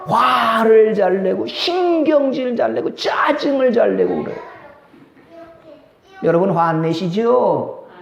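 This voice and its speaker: A male pastor giving a Sunday sermon, animated and conversational, often asking the congregation questions. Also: extremely high pitch, vocal fry. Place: church sanctuary. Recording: echoey church hall.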